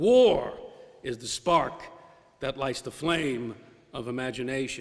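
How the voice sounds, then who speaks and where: A man talks at a moderate pace with an American accent. Noticeable background noise sits behind him. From New York City. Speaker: historian and guest lecturer. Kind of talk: lecture. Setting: lecture hall with live audience.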